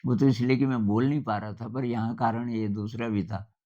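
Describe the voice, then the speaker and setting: An older man talks informally at a middle pitch, in a conversational, storytelling manner with thoughtful pauses. The recording sounds somewhat dull and lo-fi. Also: steady tone, warm tone. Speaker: speaker giving a talk on simplicity. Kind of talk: informal spoken talk.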